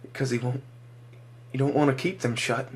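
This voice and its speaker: Man doing a gentle, coaxing soldier. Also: mid-range voice, steady tone, moderate pace, lightly acted. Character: weary kindly soldier, gruff but gentle.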